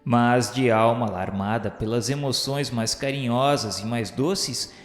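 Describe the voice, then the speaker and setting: A man's voice: mid-range voice, a little slow. Solemn Brazilian male narrator in echoing reverb. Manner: formal, reverent, declamatory. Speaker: narrator of a radio novela. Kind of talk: solemn scripted literary narration of a spiritual history. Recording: echoey reverberant hall sound, music underneath. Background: background music.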